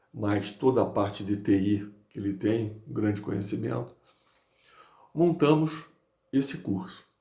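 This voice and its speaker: Fairly low in pitch, a man speaks at a fairly slow pace with lively intonation. His tone is dark and mellow, and somewhat breathy. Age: 70s. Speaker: betta fish breeder and genetics hobbyist. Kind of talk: monologue to camera.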